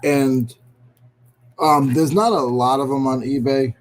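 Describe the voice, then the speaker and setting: This livestream host, a man with a New England accent, speaks slowly in a steady, mid-range voice. The talk is casual and chatty, with viewers greeted by name and jokes made about himself.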